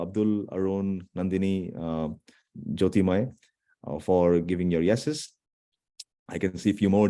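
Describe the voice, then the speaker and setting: Man, deep voice, mellow tone, earnest online talk, restarts phrases, checks in with listeners. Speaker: guest speaker. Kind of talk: online motivational talk to students.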